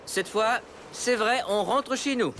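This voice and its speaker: A man's voice: very high voice, takes it slowly, bright, forceful tone, exaggerated voice. A man voicing a good-natured, playfully theatrical young father in a children's cartoon. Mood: content. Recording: music behind the voice.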